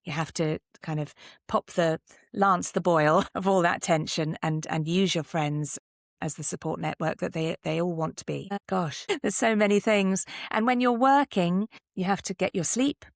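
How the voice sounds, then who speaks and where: Podcast guest, female. Lower register with some fry, close dry sound, candid and emphatic, encouraging. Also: normal speed, no echo. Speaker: podcast guest, actor and drama teacher. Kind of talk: conversational interview advice.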